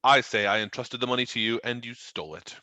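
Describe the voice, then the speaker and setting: A man's voice: mid-range voice, fast talker, sharp tone, natural voice. A man playing an angry, haughty millionaire in a table read, curt and dismissive. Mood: disdainful. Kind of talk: virtual table read of a film script. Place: remote video call.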